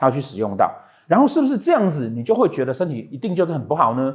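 A fairly high-pitched man's voice with very wide pitch swings. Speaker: astrology teacher. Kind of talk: tutorial. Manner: casual with many fillers.

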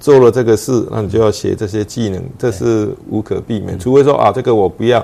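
A man with a dark, mellow tone speaks at a fairly quick pace. His intonation is fairly even, and he takes hardly any pauses. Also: medium pitch for a man. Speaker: former university president. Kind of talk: casual interview.

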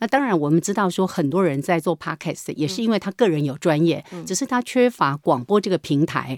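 In a very clean recording with a silent background and a dry, close sound with no echo, a woman with a fairly low pitch talks at a fairly quick pace with very wide pitch swings. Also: hardly any pauses. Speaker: radio host. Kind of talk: casual chat. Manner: witty and elegant.

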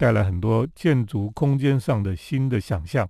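A man talks at a fairly slow pace with a medium pitch. The background is quiet. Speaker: architecture commentator, radio host. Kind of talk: solo radio talk. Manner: relaxed, many filler particles.

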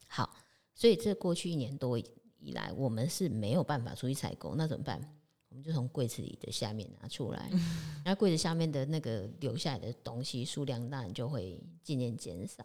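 A woman with a very deep, low voice and a dark, mellow tone speaks at a fairly quick pace, her pitch swinging very widely. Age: 50s. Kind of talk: interview.

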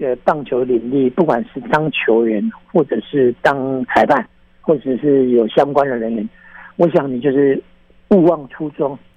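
Fairly high-pitched, a man talks with lively intonation. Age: 50s. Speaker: baseball umpire. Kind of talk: interview.

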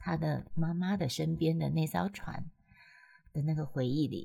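Her voice has a dark, mellow tone and is somewhat breathy. The woman speaks at a very slow pace. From Taiwan, countryside. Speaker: livestream host and voice actor. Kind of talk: casual livestream chat. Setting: online livestream room.

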